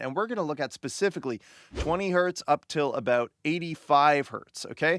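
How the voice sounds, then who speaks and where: A man talks at a fairly quick pace in a normal speaking voice, his pitch fairly high and his intonation lively. The recording is very clean with a silent background and a dry, close sound with no echo. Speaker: mix engineer teaching audio mixing. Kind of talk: tutorial. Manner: casual, conversational.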